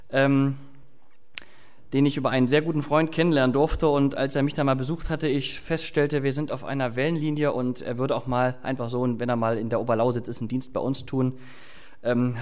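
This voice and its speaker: A man preaching, reading scripture and chatting casually with the congregation with fillers and asides. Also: medium pitch. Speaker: pastor. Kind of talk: sermon with Bible reading.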